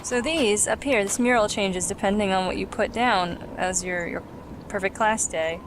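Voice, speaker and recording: A woman's voice: medium pitch, normal speed, background noise. A young woman casually commenting on a video game she is playing, chatty and giggly, explaining what is on screen. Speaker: let's play host.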